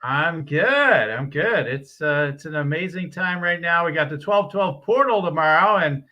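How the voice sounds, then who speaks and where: A man's voice: fairly high pitch, normal speed, lo-fi sound. A middle-aged man, a business coach and guest, talking earnestly and upbeat about spiritual ideas. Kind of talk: casual interview talk.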